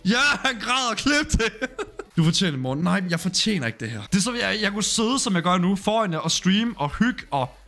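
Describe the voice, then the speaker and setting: A man streaming live, talking excitably to his viewers, swearing often and sounding overwhelmed. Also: high voice, few pauses, faint music behind.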